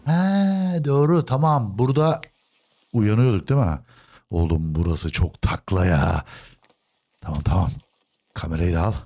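A man hosting a gaming video, casually commenting on his play in a joking way. He talks back to the game characters and swings between loud outbursts and low mutters. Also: measured pace, long pauses, breathy edge. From Turkey.

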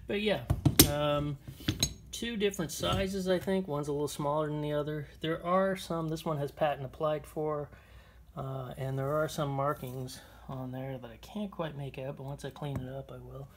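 A man's voice: a little high, steady tone, normal speed. A man walking through his antique finds on a handheld phone, talking casually with many ums and uhs. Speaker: antiques dealer showing finds. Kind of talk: casual walkthrough vlog. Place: indoor shop or barn, tiled floor. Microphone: handheld phone camera. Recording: noisy phone recording.

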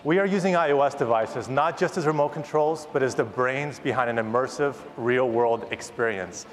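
Speaking at a normal pace in a medium-pitched voice, a thirty-something company founder gives a rehearsed, enthusiastic product keynote on a large conference stage. Long reverb from the hall and noise from the audience fill the recording.

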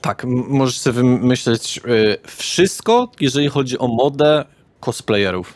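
A man's voice: mid-range voice, lively intonation, unhurried, dry recording. A man narrating a tabletop role-playing game as the game master, describing scenes and addressing players.

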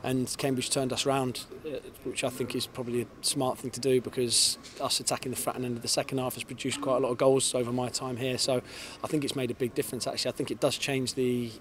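Man, 30s, football coach, post-match interview, fast talker, fairly flat delivery, repeats words, handheld mic, outdoors at night, clear stadium noise. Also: medium pitch. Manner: fast, earnest, repeats words when starting sentences. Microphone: handheld reporter's mic held in front.

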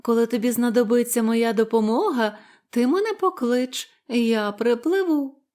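A woman voicing a magical golden fish in a storybook, speaking high, slow and solemn. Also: mellow, lightly acted.

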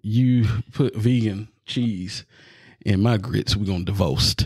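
A man with a low, husky voice trades laid-back jokes on a casual podcast. His pitch swings a lot as he talks. The sound is close and dry. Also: takes it slowly, darkish tone, no room sound. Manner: laid-back, joking banter. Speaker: podcast co-host. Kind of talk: casual chat.

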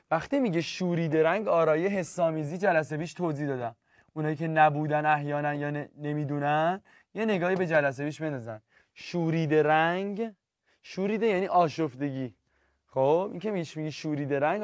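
A man's voice: a little high, dry recording, clean studio sound. A man teaching literature in an online class, talking straight to his students and repeating key terms.

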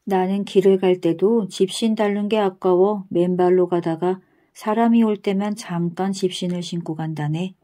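A woman's voice: fairly low pitch, fairly even intonation, moderate pace, warm tone, natural voice. A woman voicing a boastful, stingy male miser from a folktale, speaking in an old-fashioned way.

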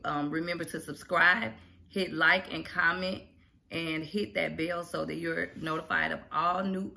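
A woman's voice: deep voice, creaky. A middle-aged woman talking casually to camera in her home kitchen, chatty and encouraging. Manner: chatty, encouraging, animated with hands. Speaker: vlogger. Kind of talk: casual vlog talk to camera. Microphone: camera in front at arm's length. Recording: roomy kitchen, faint background noise.

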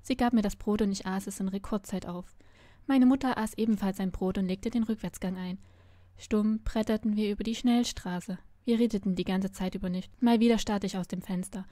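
Woman reader, expressive first-person narration, mellow dry voice. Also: mid-range voice, fairly quick, dry recording. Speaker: story reader. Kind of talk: reading a novel aloud.

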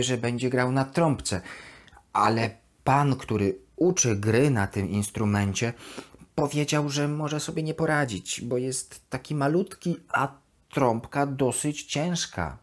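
A woman's voice: very deep voice, exaggerated voice. A woman voicing a chatty, devoted plush toy duck, expressively confiding her diary in a children's bedtime audio story.

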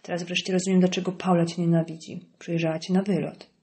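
A woman's voice: lowish voice, level tone, quick pace, mellow, natural voice. A woman reading an audiobook voices a curt, irritable middle-aged politician husband. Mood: curt, irritated. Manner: curt, dismissive.

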